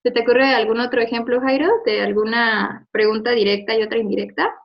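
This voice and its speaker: A woman's voice: on the high side, fairly even intonation, brisk, vocal fry. A woman teacher, patiently going over a lesson with a student, explaining with examples and checking in with short questions. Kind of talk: remote review lesson. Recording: dull lo-fi audio.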